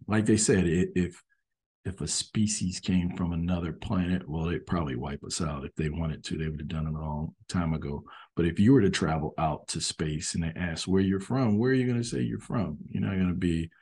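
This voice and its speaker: Husky very deep-voiced man talking casually. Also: moderate pace, warm tone. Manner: rambling, earnest, frequent "you know". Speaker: host commenting on history videos. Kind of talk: casual spoken monologue.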